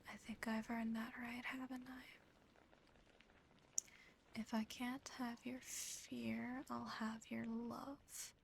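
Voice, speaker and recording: A woman playing a seductive, possessive female sleep paralysis demon in a teasing, breathy ASMR whisper, close to the microphone. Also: on the high side, flat delivery, slight background noise. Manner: slow, breathy whispering, teasing, lingering pauses.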